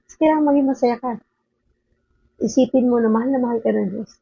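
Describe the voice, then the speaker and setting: An older woman speaks earnestly at home in an informal devotional talk, often pausing to ask her listeners to agree. Her fairly high voice has a gravelly, husky edge. The sound is thin and phone-like, with no room echo. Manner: earnest, with frequent rhetorical "di ba?". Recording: narrow phone-like sound, dry.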